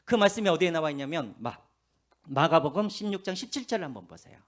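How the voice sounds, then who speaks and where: Lively male pastor w/ faint jeolla accent, slightly high voice, swings loud and quiet. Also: fast talker. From Korea, Gwangju. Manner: animated storytelling, drops to hushed asides. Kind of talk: sermon. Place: church.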